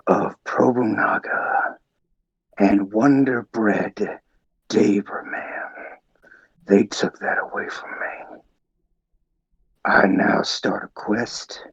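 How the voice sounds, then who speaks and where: A man voicing a vengeful, menacing wrestler who whispers his threats slowly over a dull phone line. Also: fairly low pitch, exaggerated voice. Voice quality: whispery, gravelly. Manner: slow, threatening delivery. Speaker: caller.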